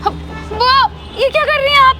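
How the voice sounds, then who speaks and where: A woman's voice: very high-pitched, animated, normal speed, loud music behind the voice, over a noisy crowd. An actress playing a bold young woman who insists and schemes, in a web drama. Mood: excited. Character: young scheming woman, daughter-in-law or niece.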